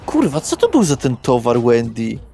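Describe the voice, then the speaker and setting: A man's voice: medium pitch, huge pitch swings, normal speed, vocal fry, dark tone, slightly rough, soft background music, full character voice. A man playing a brash, euphoric young party guy in a roleplay session, swearing and talking in cocky slang. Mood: cocky, teasing. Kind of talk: improvised tabletop roleplay acting.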